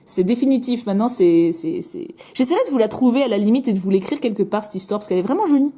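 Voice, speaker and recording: A woman with a French accent chatting casually while opening trading card packs, bubbly and self-mocking with quick asides. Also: mid-range voice, expressive, mellow. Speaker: card-opening video host.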